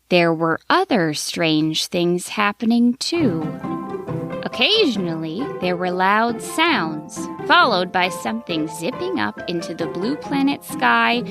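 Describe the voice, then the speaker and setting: Woman narrating a bedtime story over music. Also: mid-range voice. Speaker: children's podcast storyteller.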